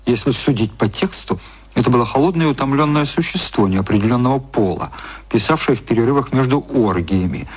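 A man narrating an audio drama in a scripted literary style, with a slightly husky voice. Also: medium pitch, lively intonation, brisk. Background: music.

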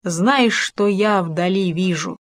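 A woman voicing a big, sorrowful male bear who speaks slowly and mournfully in a storybook reading. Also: on the low side, no room sound, studio quality. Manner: slow, mournful and brooding.

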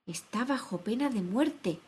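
Woman narrator playing a jittery white rabbit, pitched up, talking low and hurried. Storybook audio. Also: big pitch swings. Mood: hushed anxious. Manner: anxious, hurried, low-voiced. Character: nervous, hushed white rabbit. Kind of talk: storybook reading.

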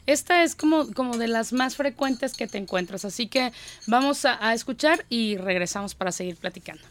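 A woman's voice: on the high side, expressive, moderate pace, a bit bright, slight background noise. A woman radio host, upbeat and friendly as she introduces a song. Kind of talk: casual radio chat.

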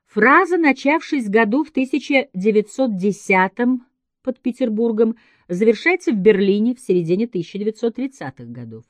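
A woman reading a scripted literary essay aloud in a measured, emphatic way, with deliberate pauses between phrases. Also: a little high, big pitch swings, no room sound. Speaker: writer giving a literary essay.

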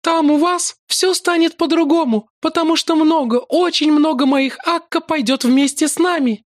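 A man's voice: very high-pitched, normal speed, no room sound, studio quality, pitched above the performer's own voice. A man reading an audiobook, voicing a tender, anxious young woman with a motherly, pleading tone.

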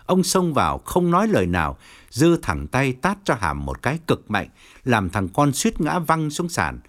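A man narrating an audiobook novel in an expressive storytelling manner. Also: mid-range voice, normal speed. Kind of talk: scripted narration.

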